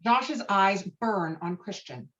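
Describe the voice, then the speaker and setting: A woman's voice: mid-range voice, expressive, takes it slowly, fairly bright tone, muffled recording. A woman reading stage directions as the narrator of a dramatic script.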